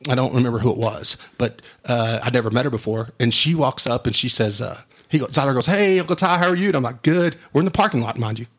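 Booming, husky man telling stories. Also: fast talker, hardly any pauses. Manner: animated, laughs often, says "dude" a lot. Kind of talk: casual storytelling chat.

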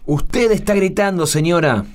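A man's voice: high-pitched, moderate pace, a little hiss or hum, lightly acted. A young man playing an earnest, offended parish volunteer in a radio drama, reproachful and emphatic. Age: young adult. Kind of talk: Spanish-language radio drama.

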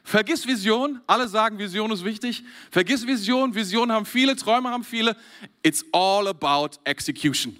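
A man from Germany preaches with a high, bright voice that swings widely up and down. His delivery is animated, and he chuckles often between phrases as he speaks to his congregation. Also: moderate pace. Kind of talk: lively sermon to a congregation.

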